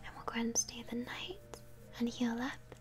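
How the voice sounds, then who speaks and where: A young adult woman, a game streamer and host, whispers through a video game in a soft, breathy ASMR style from a small room at home. Her slightly high voice is close to the mic, gentle and chatty, narrating her play unhurriedly. Faint music plays behind her.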